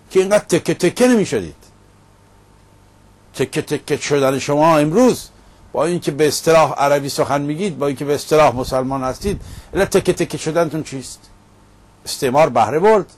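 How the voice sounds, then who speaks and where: A man's voice: a little high, darkish tone, slightly rough. A middle-aged man hosting a monologue show, recounting a debate in an emphatic storytelling manner. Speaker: host. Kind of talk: casual monologue. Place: Paris.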